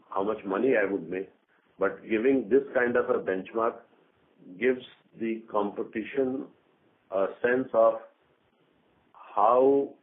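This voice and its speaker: Low-pitched male executive on a phone line. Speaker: company executive. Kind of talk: earnings call answers. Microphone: conference call phone line. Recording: narrow tinny phone line.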